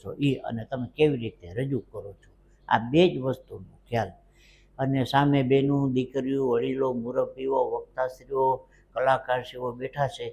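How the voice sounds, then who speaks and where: A man speaks at medium pitch, somewhat breathy, with fairly even intonation. His loudness swings widely. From Saurashtra, Gujarat (Dwarka). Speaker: comedian. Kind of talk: interview. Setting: studio.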